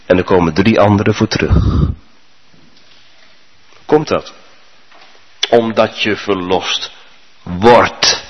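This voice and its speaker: A man's voice: fairly low pitch, takes it slowly, long pauses, dull audio. A male preacher delivering a storytelling sermon to his congregation in a church. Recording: reverberant church hall.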